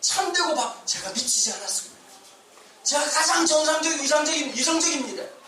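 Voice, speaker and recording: A man's voice: very high voice, lively intonation, a little fast, sharp tone, slight background noise, pitched above the performer's own voice, exaggerated voice. Preacher doing apostle paul, earnest guy insisting he's sane, far off mic in a big echoey room. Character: apostle Paul, earnest grown man defending his sanity. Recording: echoey hall, mic at a distance.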